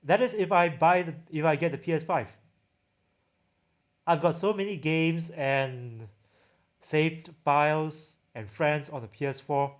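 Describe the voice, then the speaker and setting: A man with a Singaporean accent hosts a livestream, chatting casually as he reads out viewer questions and answers them. He reviews audio gear, and his fairly high-pitched voice moves at a measured pace.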